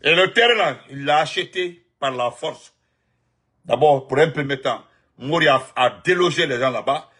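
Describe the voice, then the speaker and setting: A Guinean French-accented man delivers spontaneous political commentary at a moderate pace and fairly high pitch. He repeats himself emphatically, shifting between loud bursts and muttered remarks.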